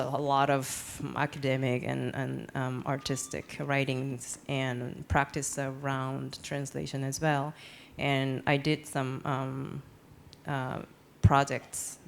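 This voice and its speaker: An artist talks on a panel in a hesitant, searching way, often pausing on fillers. The voice has a gravelly, fry-edged texture, and a faint noise sits under it. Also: medium pitch. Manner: hesitant, many fillers and restarts. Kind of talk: panel discussion. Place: panel event.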